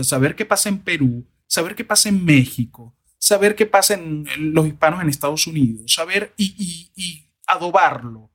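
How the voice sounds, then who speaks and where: A man answering interview questions on diction and accents in a lively, rambling way. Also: on the high side, slightly rough. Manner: animated, discursive, frequent "o sea" asides. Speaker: guest, voice and diction expert. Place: lives in the United States.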